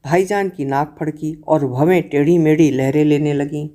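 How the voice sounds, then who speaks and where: A woman narrating a literary short story in an even, unhurried way. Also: deep voice.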